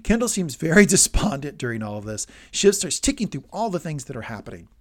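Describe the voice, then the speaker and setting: A man co-hosting a casual show recap, talking excitedly and swearing freely. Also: fairly high pitch, quick pace. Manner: excitable, swears freely, acts out scenes loudly. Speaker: podcast co-host.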